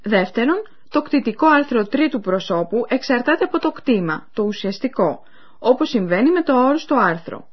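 Woman presenter with lively, animated pitch. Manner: clear, explanatory, addresses listeners. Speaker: radio language-course presenter. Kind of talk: scripted educational narration. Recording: dull lo-fi radio recording.

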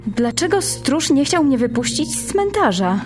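A woman's voice: high voice, very animated, normal speed. An actress playing an anxious young woman on an urgent mission in a language-learning radio drama, jumpy and full of questions. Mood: curious, focused. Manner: jumpy, questioning, faltering in foreign-language phrases. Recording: music behind the voice.

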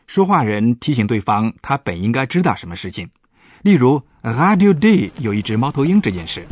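A man's voice: medium pitch, big pitch swings, a little fast, darkish tone, dry recording. A man, a professor, patiently explaining German grammar points on a radio language lesson. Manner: patient, explanatory, stresses example words.

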